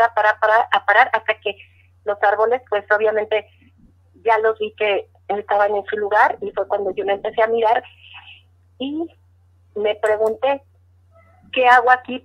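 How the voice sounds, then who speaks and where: A woman's voice: a little high, a bit bright. A middle-aged woman, earnestly telling a personal story in an interview, repeating words as she recalls it. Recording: dull lo-fi audio.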